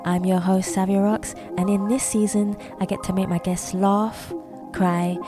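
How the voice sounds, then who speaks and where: A woman's voice: mid-range voice, level tone, a little slow, over music. A woman hosting a podcast, upbeat and effusive, thanking her guest often and asking long questions. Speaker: podcast host.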